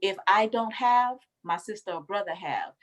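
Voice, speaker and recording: A Bahamian woman appears as a guest in a casual interview, speaking at a normal speed in a mid-range voice. She tells her story emphatically and calls the listener "baby."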